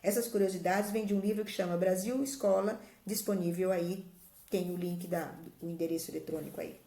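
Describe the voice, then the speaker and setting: A woman's voice: fairly low pitch, steady tone, brisk, dark tone, roomy sound. Patient Brazilian woman teaching a class. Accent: Brazilian Portuguese. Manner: patient, explains and repeats rules step by step. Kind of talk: recorded remote school lesson.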